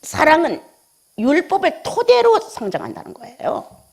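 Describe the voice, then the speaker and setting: A woman pastor preaching a sermon, with scolding rhetorical questions and sudden drops from emphatic outbursts into hushed near-whispers. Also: high voice, wildly swooping pitch, a little slow, creaky.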